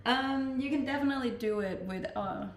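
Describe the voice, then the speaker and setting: Danish-accented female streamer, gravelly, chatty and self-deprecating, echoey room with faint noise. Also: sits high, a little fast. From Denmark. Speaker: Twitch streamer. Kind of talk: casual live-stream chat, reading out and answering viewer comments.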